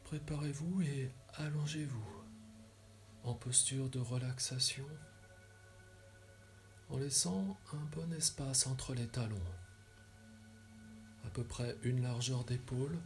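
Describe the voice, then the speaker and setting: A man guiding a relaxation meditation in a soft, soothing, measured way, giving instructions with pauses and slightly breathy phrase endings. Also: medium pitch, soft background music. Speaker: yoga nidra guide.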